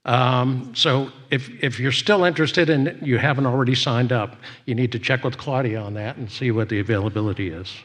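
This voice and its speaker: Guy hosting church service, reading out announcements casually, upbeat, normal mid pitch. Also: fairly quick, few pauses, a bit bright. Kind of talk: informal spoken announcements to a congregation.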